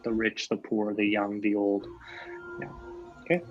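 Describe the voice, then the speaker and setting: A man's voice: on the low side, monotone, unhurried, lo-fi sound. A Canadian man teaching an English lesson online, patiently repeating key phrases for his students.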